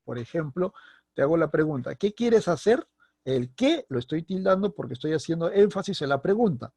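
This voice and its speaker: A man's voice: on the high side, brisk, vocal fry, a little mellow, no echo. A man teaching a recorded grammar lesson, explaining patiently and checking in with his student again and again. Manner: explanatory, checks in with a frequent "¿listo?"; speaks directly to the student, stressing example words. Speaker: secondary school language teacher.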